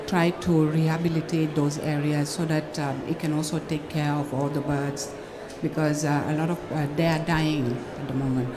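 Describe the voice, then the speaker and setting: A woman's voice: sits low, background noise. A woman from the Gambia speaking from the audience, hesitant with frequent fillers. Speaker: audience member. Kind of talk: question from the floor.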